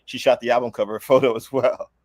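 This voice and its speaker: A man's voice: mid-range voice, level tone, quick pace, darkish tone, no echo. A man speaking as a guest musician in casual, colloquial and effusive chat.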